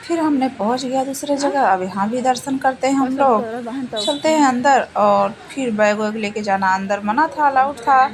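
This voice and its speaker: Chatty woman with a high-pitched voice. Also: normal speed, a crowd in the background, poor audio. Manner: chatty, repeats phrases, rambling storytelling. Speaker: vlogger narrating a family trip. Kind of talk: casual travel vlog voice-over.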